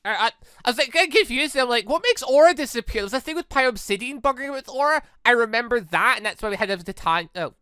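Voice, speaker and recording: An excitable let's play host, commentating on a game and exclaiming while reading along. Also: mid-range voice, fast, clean tone, dry recording. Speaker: gaming video host reading a visual novel aloud. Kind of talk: let's play commentary with read-aloud character dialogue. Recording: close dry mic over game music. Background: game music.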